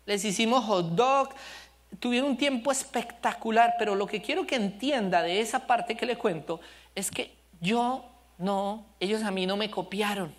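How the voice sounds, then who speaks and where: A man's voice: sits high, normal speed. A male pastor preaching a sermon, telling stories with animation and asking the congregation questions. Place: church service.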